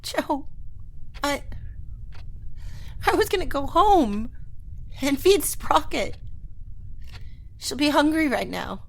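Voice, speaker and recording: A woman's voice: high voice, very animated, takes it slowly, vocal fry, long pauses, exaggerated voice, poor audio. An actress playing Anna, an earnest young woman in a retro sci-fi radio drama, pleading and stammering when upset. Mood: tender. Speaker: first-person narrator and lead. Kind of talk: golden-age style radio drama acting.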